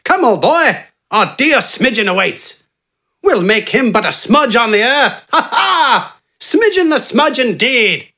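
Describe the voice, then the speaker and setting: A narrator voicing an eccentric, pompous male doctor who is manic and jovial and speaks in a grand, excitable way. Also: medium pitch, slow, voice pushed up, heavily acted. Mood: jubilant. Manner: pompous, excitable, keeps saying "old boy".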